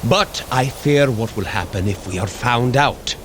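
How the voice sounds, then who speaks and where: An actor playing a noble, earnest warrior god in an audio drama, speaking in a measured, formal way. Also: male voice, mid-range voice, background noise, close to an everyday voice. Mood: earnest, worried. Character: Thor, noble male warrior god, earnest, steady, trusting.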